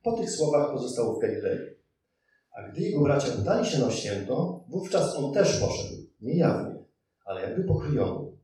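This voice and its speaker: A man reading scripture aloud in a measured, declaiming way, adding brief comments of his own. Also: mid-range voice, big pitch swings, dark tone. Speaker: scripture reader. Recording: very echoey, distant mic.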